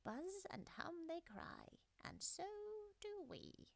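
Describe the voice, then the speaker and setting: A woman voicing tiny, sleepy bats in a storybook reading, with very small, soft, whispery voices. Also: very high voice, huge pitch swings, slow pace, gravelly, dry recording, pitched above the performer's own voice, exaggerated voice. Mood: mysterious.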